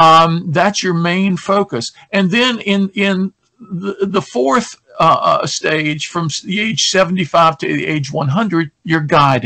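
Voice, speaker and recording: Fairly slow delivery with ordinary pitch variation. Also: man, high pitch for a man. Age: 70s. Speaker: former philosophy professor and executive coach. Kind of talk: interview. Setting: video call. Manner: halting, repeats words.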